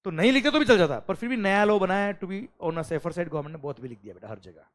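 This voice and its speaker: A man teaching a classroom lecture, often asking his students whether things are clear and mixing English phrases into his speech. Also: sits high, fast. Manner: lively, drills students with repeated questions.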